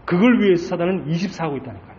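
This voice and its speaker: A man's voice: on the high side, animated, very fast, a little mellow, dull audio, slight background noise. A male pastor preaching a Sunday sermon, speaking emphatically and firing off many rhetorical questions.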